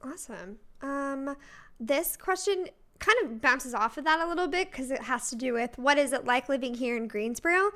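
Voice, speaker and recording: A woman's voice: high voice, lively intonation, normal speed, a bit bright. A young woman moderating a student panel on a video call live stream, chatty and friendly with some fillers. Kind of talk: casual live stream hosting.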